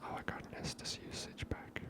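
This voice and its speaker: A woman speaks entirely in a soft, breathy whisper. She comments on a video game in a casual, musing manner, as the host of an ASMR series. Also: brisk.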